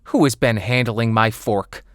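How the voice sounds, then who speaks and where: A man voicing excitable, kind-hearted little dwarves from a storybook in an exclamatory way. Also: on the low side, measured pace, dry recording, studio quality. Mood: indignant.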